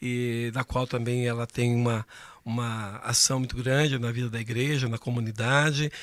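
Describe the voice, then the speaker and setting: Fairly even in intonation, a man's medium-pitched voice moves at a moderate rate. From Brazil, interior of São Paulo state. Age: 60s. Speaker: permanent deacon. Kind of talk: podcast interview, personal testimony. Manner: hesitant, many filler 'é'.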